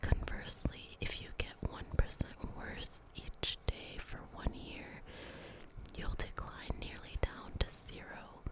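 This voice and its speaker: Whispering at a very slow pace, a woman keeps a calm tone over noticeable background noise. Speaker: ASMR artist. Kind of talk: sleep book reading. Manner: whispered; soft-spoken, calm.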